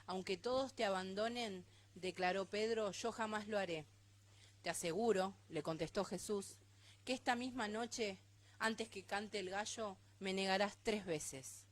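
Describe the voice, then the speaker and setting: A woman reading a Bible passage aloud in a steady, measured way during a church service. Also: mid-range voice. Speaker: scripture reader.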